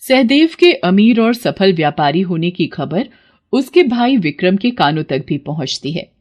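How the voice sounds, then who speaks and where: A woman tells a children's cartoon tale in scripted narration. Her delivery is expressive, with a lively, varied melody. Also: lowish voice, measured pace. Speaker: storyteller narrator.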